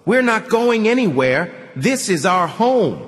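A man putting on the high, loud voice of a frantic mother scolding her son. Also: very animated, unhurried, full character voice. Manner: shrill, scolding. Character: frantic protective mother, woman. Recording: long hall reverb.

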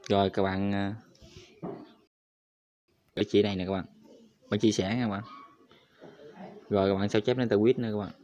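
A man's voice: on the low side, little pitch movement, normal speed, long pauses, a little mellow, highs cut off. A man hosting a screen-recorded crypto tutorial, talking viewers through each step and repeating his address to them constantly. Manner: repetitive, addresses viewers constantly as "các bạn".

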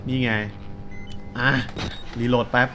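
A young man commenting as he plays a horror game, chatty with the viewer and yelping loudly when startled. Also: takes it slowly, background noise. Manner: jumpy, yelps and shrieks when startled, chatty asides to the viewer. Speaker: gamer. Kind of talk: horror let's play commentary.

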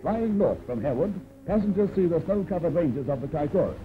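A man's voice: on the high side, lively intonation, fairly quick. A man giving formal, announcing narration for an old newsreel, heard from its original soundtrack. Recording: tinny old newsreel audio with music.

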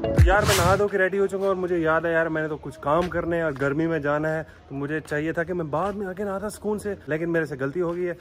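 A man's voice: on the high side, fairly even intonation, fast talker, music in the background. A man vlogging casually outdoors, playfully teasing and coaxing children as he chats to the camera. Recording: noisy outdoor camera audio.

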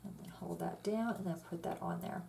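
Her voice lowish, brisk and gravelly, a woman chats through a card-making demonstration step by step, relaxed and full of fillers. She works indoors at a craft table, filmed from overhead so only her hands appear. There's slight background noise.

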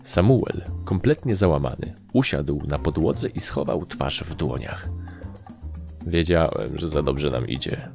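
A man narrating a story in a deep, gravelly voice. His pitch swings widely as he reads, and he pushes his voice up for the characters. Faint music plays under the reading. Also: a little slow. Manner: lively storytelling, shifts into raised voices for characters. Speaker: audiobook narrator. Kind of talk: dramatic audiobook reading with acted voices.

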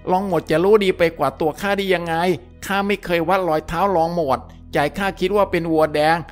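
A man's voice: high voice, steady tone, brisk, faint music behind, close to an everyday voice. A man voicing a spirited young female hunter in a read-aloud story, bantering and teasing.

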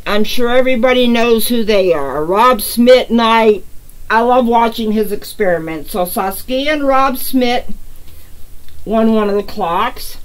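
A woman's voice: fairly high pitch, poor audio. A woman hosting her own channel, chatting casually with viewers as she draws giveaway winners and greets them by name. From United States. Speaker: resin artist and channel host. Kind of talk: casual live giveaway chat.

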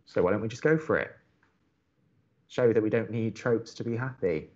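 A man playing an earnest, love-struck young college radio host in an audio drama, speaking in a deliberate, pleading way. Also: on the low side, darkish tone, highs cut off, natural voice. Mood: earnest longing. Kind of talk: naturalistic audio drama acting.

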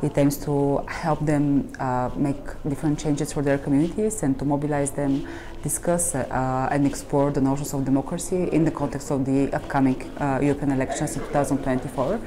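Young woman explaining a program, low mellow voice, lots of pauses, faint noise. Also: steady tone. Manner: measured, with frequent pauses. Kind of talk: documentary interview. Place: plain indoor room.

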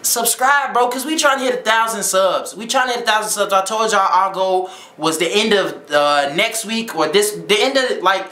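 A young man hosting a reaction video, talking in an excitable way and often exclaiming or shouting in disbelief. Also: sits high, moderate pace, hardly any pauses. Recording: echoey room.

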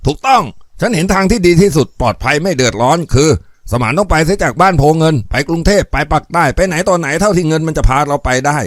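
A man's voice: on the high side, expressive, fast, hardly any pauses, no room sound, studio quality, pitched above the performer's own voice, close to an everyday voice. A man doing Prayong, a wily streetwise gangster. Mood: urgent warning. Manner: urging, streetwise. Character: Prayong, a wily middle-aged male rural gangster.

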